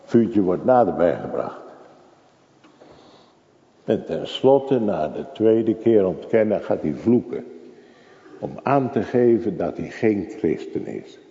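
A man's voice: lowish voice, very animated, takes it slowly, vocal fry, pauses often, mellow. An older man preaching a sermon in a church, dramatic and full of rhetorical questions to the congregation. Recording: echoey, dull church recording.

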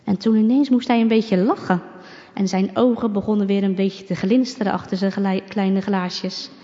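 A woman calmly reading a storybook aloud, unhurried, with small slips. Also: medium pitch. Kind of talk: storybook narration read aloud. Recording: dull recording with long reverb.

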